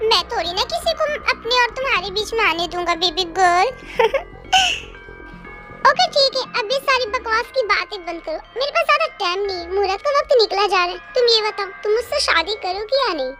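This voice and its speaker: High young voice playing a psycho lover, coaxing then menacing. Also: lively intonation, a little fast. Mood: mock-sweet. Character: obsessive psychopathic young man in love. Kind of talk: fan audio drama voicing. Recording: music bed under the voice.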